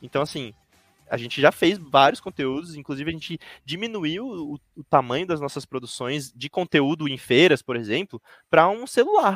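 A man with a plain, everyday voice and fairly high pitch talks at a moderate pace with lively intonation and big swings in loudness, in a dry, close sound with no echo. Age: 20s. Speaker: creative director of a content agency. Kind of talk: casual interview chat.

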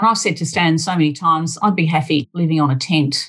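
A woman speaks at a very fast pace with a very deep, low pitch. Her voice is somewhat breathy, with ordinary pitch variation. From South Africa. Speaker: radio journalist and presenter. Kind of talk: casual interview chat.

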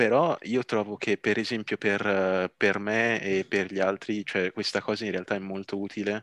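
A man with an ordinary speaking voice talks at a moderate pace in a fairly low pitch, with fairly even intonation and hardly any pauses. The sound is dry and close with no echo, and the background is quiet. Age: 20s. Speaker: parkour athlete. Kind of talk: casual chat.

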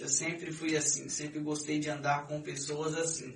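Monotone, flat intonation amid audible room echo and noticeable background noise. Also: man. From Brazil, Espírito Santo (Serra, Greater Vitória). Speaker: itinerant preacher and worship minister. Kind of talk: casual chat. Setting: studio.

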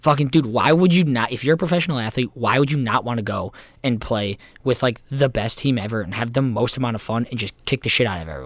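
At a very fast pace, a man with a medium pitch speaks with lively intonation and vocal fry. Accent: American. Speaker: sports podcast co-host. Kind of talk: casual chat. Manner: animated.

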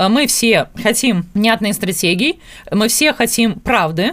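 Speaking fairly slowly, a woman uses a normal speaking voice at a fairly high pitch with ordinary pitch variation. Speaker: political commentator. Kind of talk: podcast monologue.

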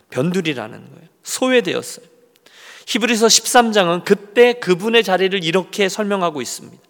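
This man's voice sits high in pitch. He keeps a moderate pace. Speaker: senior pastor of an immigrant church. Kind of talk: sermon. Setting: church service.

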